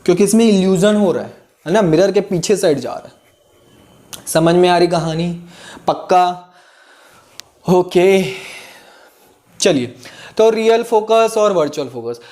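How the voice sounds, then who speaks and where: High-voiced Indian man teaching physics. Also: expressive, a little slow, pauses often, a little mellow. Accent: Indian English terms mixed into Hindi. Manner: explains step by step, repeats key phrases, asks checking questions. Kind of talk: classroom lesson.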